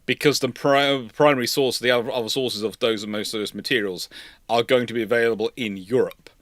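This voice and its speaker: A man's voice: mid-range voice, steady tone, a little fast, fairly bright tone, dry recording, clean studio sound. A man hosting a casual, analytical history discussion, talking discursively and often rephrasing himself as he goes. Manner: discursive, repeats and rephrases phrases. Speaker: host of naval history livestream.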